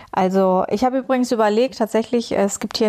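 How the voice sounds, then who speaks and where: A woman speaks in a non-native accent with fairly even intonation. Her voice is medium in pitch with a dark, mellow tone. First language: not German (speaking German). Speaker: podcast co-host, flight attendant. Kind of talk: casual chat.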